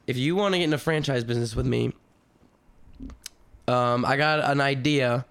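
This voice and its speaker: A young man with a smooth, resonant voice at a middle pitch, guesting on a comedy podcast. He stammers and restarts often while delivering deadpan, absurd jokes. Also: moderate pace. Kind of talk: casual comedic chat.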